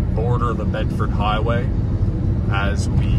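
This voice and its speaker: Loud background noise runs under a man's voice. The sound itself is dry with no echo. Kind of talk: casual driving commentary. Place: car. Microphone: phone near.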